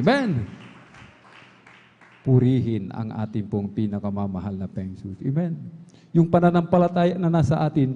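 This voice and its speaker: A man preaching a fervent sermon, repeating refrains and rising to shouts. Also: mid-range voice. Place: large church hall. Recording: long hall reverb, dull lo-fi sound.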